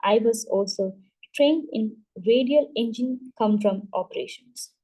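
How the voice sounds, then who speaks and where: A woman hosting a book club, reading a memoir aloud at a steady pace and now and then stumbling and restarting a word. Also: fairly high pitch, measured pace, low-quality recording.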